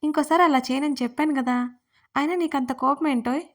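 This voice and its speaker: A woman's voice: fairly high pitch, steady tone, brisk, darkish tone, natural voice. A woman voicing a spirited young wife who coaxes and pleads in a whiny tone. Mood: teasing.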